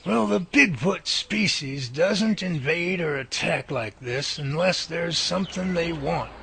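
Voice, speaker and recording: Man acting an earnest, high-voiced, creaky professor. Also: expressive, measured pace, a bit bright, a little hiss or hum, full character voice. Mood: grave, explaining. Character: earnest, reassuring male professor studying Bigfoot. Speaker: Bigfoot researcher character. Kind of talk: amateur radio drama dialogue.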